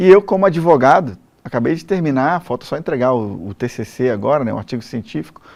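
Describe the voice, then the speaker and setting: Fairly quick speech from a man at medium pitch, lively intonation, over a quiet background. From Rio de Janeiro, Brazil. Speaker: politician, former army officer. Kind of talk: TV interview. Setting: TV studio.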